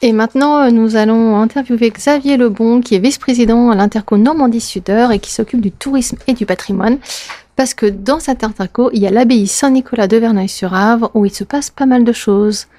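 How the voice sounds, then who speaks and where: A woman hosts a radio interview, her voice mellow and a little raised in pitch. She sounds dry and close to the mic. She asks her questions in a measured way, pausing briefly. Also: no room sound. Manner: measured, with small hesitations. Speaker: radio host.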